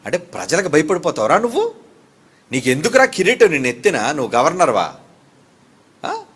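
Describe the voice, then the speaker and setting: A man's voice: on the high side, wildly swooping pitch, a little fast, a bit bright, breathy edge. A middle-aged male pastor preaching a fiery sermon, firing rhetorical questions at his congregation.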